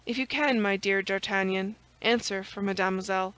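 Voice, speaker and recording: A woman's voice: medium pitch, normal speed, a bit bright, lightly acted, poor audio. Woman as a courteous, refined musketeer.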